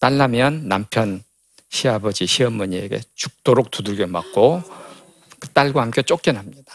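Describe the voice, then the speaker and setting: With long, frequent pauses, a man speaks at a medium pitch while his volume rises and falls sharply. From South Korea, Gwangju (Jeolla region). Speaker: pastor and retired theology professor. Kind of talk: lecture.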